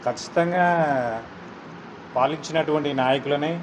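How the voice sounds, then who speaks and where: A man's voice: on the high side, fairly even intonation, moderate pace, background noise. A man, an activist assertively arguing political points in an interview. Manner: assertive, argumentative.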